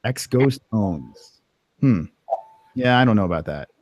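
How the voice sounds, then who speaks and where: NY-accented male host, animated pitch, dry close sound, jokey and loose. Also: a little slow, dry recording. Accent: New York. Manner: joking, laughs often, stumbles over words. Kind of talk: casual livestream interview.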